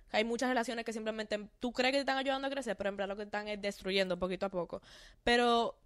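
A woman's voice: on the high side, no room sound, clean studio sound. A woman with a Dominican accent, a podcast guest chatting openly about her own experiences. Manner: chatty, talks through her story openly. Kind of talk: casual podcast chat.

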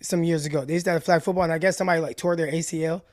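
A man co-hosting a sports podcast, talking in a passionate, deliberate and emphatic way. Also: a little high, steady tone, a little mellow. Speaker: podcast co-host. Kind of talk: casual sports chat.

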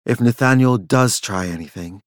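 Man voicing a wry, courteous gentleman, close and dry. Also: mid-range voice, moderate pace, dry recording, natural voice. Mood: wry relief.

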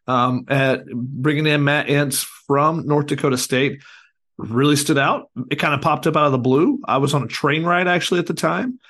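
A man co-hosting a casual sports podcast, hoarse as his voice comes back, talking in a rambling way with many fillers. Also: a little high, moderate pace, fairly bright tone. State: hoarse, recovering lost voice. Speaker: podcast co-host.

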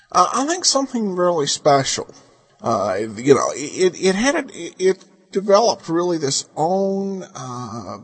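A man hosting a podcast with casual commentary, halting and stammering as he repeats his words. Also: a little high, breathy edge. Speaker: podcast host.

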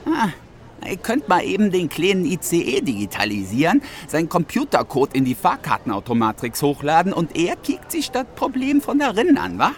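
An actor playing a casual, unflappable technician with a Berlin accent in a children's audio drama. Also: male voice, on the high side, huge pitch swings, normal speed, soft background music. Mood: casual, confident.

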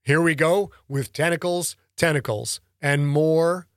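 A man's voice: fairly high pitch, a little slow, smooth, no echo, studio quality. A man hosting and narrating his own podcast in a playful, theatrical way. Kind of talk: dramatic story reading and casual podcast talk.

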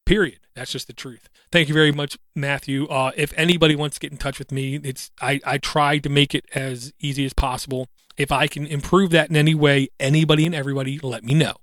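This is a man in his thirties talking alone into a podcast mic, earnest and reflective, with fillers between his thoughts. His voice sits slightly high for a man, and a mild speech impediment shows in an occasional stutter. The sound is dry and close, with no room around it. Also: flat delivery, fast, hardly any pauses, fairly bright tone, no echo. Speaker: podcast host. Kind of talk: solo podcast monologue.

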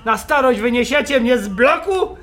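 An actor playing a bitter drunk man who shouts and rants at his family in a radio play. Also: extremely high pitch, animated, normal speed. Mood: raging. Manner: shouting, ranting, accusing. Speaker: radio drama character.

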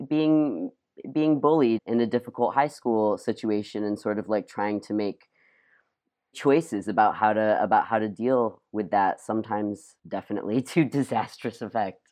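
An American actor in a casual interview, with a mid-pitched voice. The talk is youthful and enthusiastic, full of fillers and hesitant little restarts as thoughts come together.

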